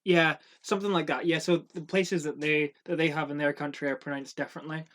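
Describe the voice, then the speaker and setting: A young man with a soft Scottish accent, chatting casually and laughing easily as a podcast host. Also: a little high, level tone, a little fast. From Scotland. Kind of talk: casual chat.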